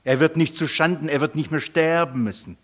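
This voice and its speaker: A man preaching a sermon, animated, asking the congregation questions and repeating sounds to imitate a foreign tongue. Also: on the high side, brisk. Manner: animated, repeats nonsense syllables to mimic foreign speech.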